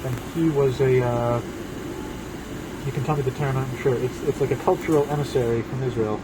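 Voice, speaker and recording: A man answering as an interview guest, measured and reflective, pausing mid-sentence. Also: steady tone. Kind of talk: casual conversational interview. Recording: noisy, air conditioning and vehicle rumble.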